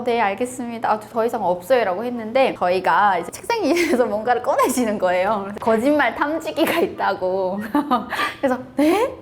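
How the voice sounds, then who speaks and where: Lively woman. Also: a little high, slight background noise. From North Korea. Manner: vivid, acts out scenes with quoted voices. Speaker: guest. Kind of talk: storytelling interview.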